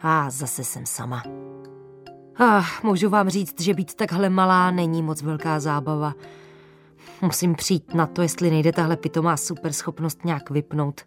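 A woman narrating a children's story in the first person, in a lively, expressive way. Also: low-pitched, soft background music.

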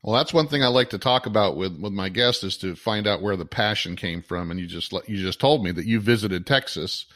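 Male podcast host, lowish voice, friendly and plainspoken in his questions. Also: fairly quick, few pauses, fairly bright tone. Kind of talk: podcast interview hosting.

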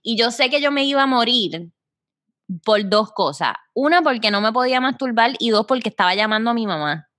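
A young Puerto Rican woman trades crude stories on a podcast, her voice bright and her pitch bouncing high and low. She laughs often and swears as casually as she breathes. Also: lively intonation, a little fast. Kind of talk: raunchy casual chat.

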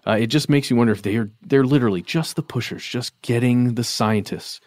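A man co-hosts a casual discussion in a mid-pitched voice. He muses earnestly and a little hesitantly, recorded with very little room sound. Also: fairly quick, a little mellow, no echo. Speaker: podcast co-host.

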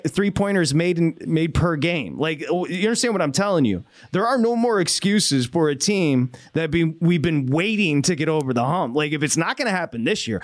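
A male sports-betting host on the radio, ranting with lots of energy and quick asides. His voice sits a touch high and jumps all over in pitch. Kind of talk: casual sports radio talk.

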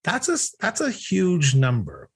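A man's voice: high-pitched, wildly swooping pitch, a little slow, slightly rough. A man hosting an interview show, speaking with emphasis and repeating words as he stresses his points. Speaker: podcast host.

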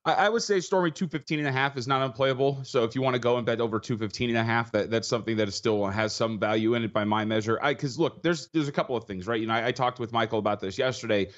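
Husky, tired man talking fast. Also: mid-range voice, lo-fi sound. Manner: fast, stat-heavy, with frequent restarts. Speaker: betting analyst guest. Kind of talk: rapid sports betting analysis.

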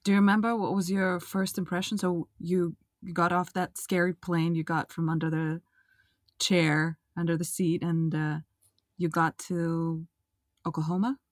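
Low-voiced woman interviewer, dry sound. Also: level tone, a little slow, no room sound. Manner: reflective, asks thoughtful questions. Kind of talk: conversational interview.

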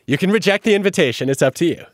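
A man's voice: high-pitched, animated, racing, a little hiss or hum. A man hosting an interview, asking questions with enthusiastic praise for his guest. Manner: enthusiastic, warmly complimentary questioning. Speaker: podcast host and interviewer. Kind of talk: interview conversation.

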